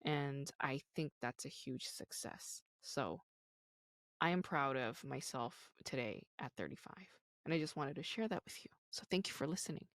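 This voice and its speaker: A woman in her thirties with a deep, bass voice hosts her solo podcast at a moderate pace, sounding animated as she speaks candidly and casually with frequent "like" and "you know." The sound is clean studio audio with no room sound.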